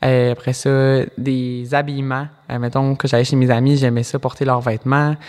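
Speaking in a Quebec accent, a man keeps a monotone, flat intonation at a medium pitch and a moderate pace. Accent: Québécois French. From Quebec City, Quebec. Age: 20s. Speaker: podcast guest. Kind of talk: personal interview.

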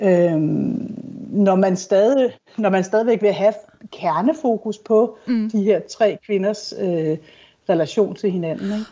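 A woman speaks very slowly at a medium pitch with ordinary pitch variation. Her tone is dark and mellow. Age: 40s. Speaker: cultural researcher, university lecturer. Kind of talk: interview. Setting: online connection. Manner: hesitant, many filler sounds.

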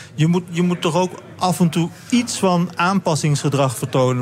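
Noticeable background noise fills the recording. Through it, a man talks with ordinary pitch variation. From Netherlands. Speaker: writer. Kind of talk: radio talk show chat.

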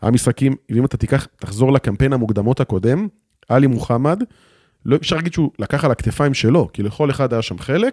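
A man's dark, mellow voice at medium pitch, with lively intonation and a fairly quick pace, dry and close with no echo, on a very clean recording with a silent background. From northern Israel, Nazareth Illit. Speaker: sports reporter. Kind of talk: casual chat.

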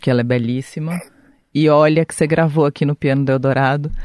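A woman speaks in a dark, mellow tone at a fairly quick pace. Her intonation is monotone and flat, over a quiet background. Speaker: radio host. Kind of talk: interview.

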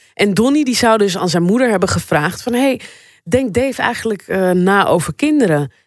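Very even loudness and lively intonation from a woman, an ordinary speaking voice at medium pitch. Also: moderate pace. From Amsterdam. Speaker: entertainment podcast co-host. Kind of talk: casual chat.

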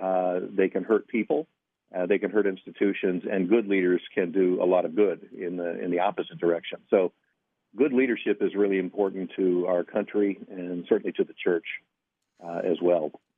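Here a man talks with a very deep, low pitch. His pace is moderate and his pitch variation ordinary. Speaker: author and former nonprofit executive. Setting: remote interview via phone or link.

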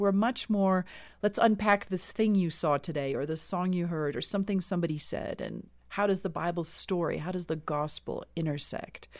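On a very clean recording with a silent background, a woman with a South African accent talks fairly quickly at a fairly low pitch with ordinary pitch variation. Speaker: author and speaker. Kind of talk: casual interview conversation. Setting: studio.

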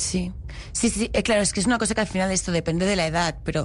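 With a Spanish accent, a woman speaks at a very fast pace in a fairly low pitch. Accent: Spanish (Spain). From Spain. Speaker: sexologist. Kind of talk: radio interview.

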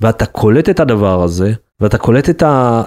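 Speaking at a moderate pace, a man uses an ordinary speaking voice with lively intonation. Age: 50s. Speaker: journalist, Palestinian affairs analyst. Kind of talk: interview.

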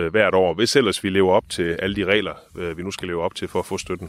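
A man speaks at a moderate pace in a fairly low pitch, an ordinary speaking voice. The recording is very clean with a silent background. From Jutland, Denmark (near Vejle). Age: 40s. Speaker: pig farmer. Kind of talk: interview. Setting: on his farm, partly outdoors in the fields.

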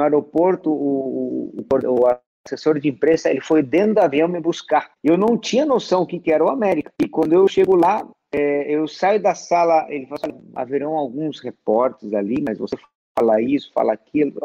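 The man's pitch sits fairly high, with lively intonation. His pace is moderate. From Brazil, born in Uruguay. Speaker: former footballer, athlete career manager. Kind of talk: radio interview.

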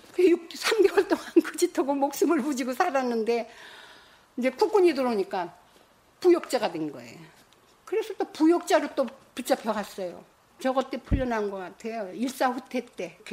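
A woman's high-pitched voice with very wide pitch swings and big swings in loudness, set against noticeable background noise. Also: moderate pace. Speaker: war survivor. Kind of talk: interview testimony.

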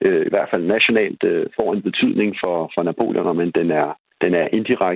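A man talks at a fairly slow pace. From half French, half Danish. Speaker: historian. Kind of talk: radio interview.

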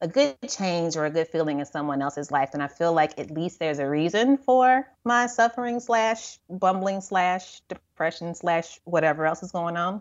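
Speaking at a moderate pace with an American accent, a woman uses an ordinary speaking voice, fairly low in pitch, with lively intonation. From Kentucky, US South. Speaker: writer and activist. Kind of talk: interview.

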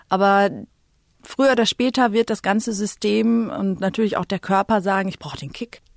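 A woman at medium pitch with ordinary pitch variation, big swings in loudness and a moderate pace, in a dry, close sound with no echo over a quiet background. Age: 50s. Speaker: TV presenter and cookbook author. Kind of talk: interview. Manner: animated.

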